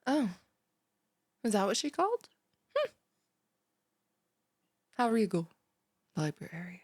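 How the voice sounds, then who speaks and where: A woman's voice: mid-range voice, wildly swooping pitch, slow pace, a little mellow, no room sound, clean studio sound, heavily acted. A young woman playing a scatterbrained, chatty, bubbly student in a one-sided audio roleplay, rambling like a valley girl straight at the listener. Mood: confused. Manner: rambling valley-girl chatter full of "like", sighs and breathy asides. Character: chatty, scatterbrained, over-caffeinated bimbo female college student, bubbly and blunt.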